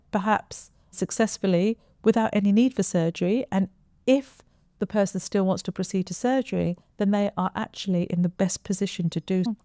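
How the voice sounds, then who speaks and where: Mellow-voiced middle-aged woman explaining. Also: medium pitch, no echo, studio quality. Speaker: voice therapist presenting an explainer. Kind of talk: informal educational explainer to camera. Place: small indoor room with armchair. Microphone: lapel mic.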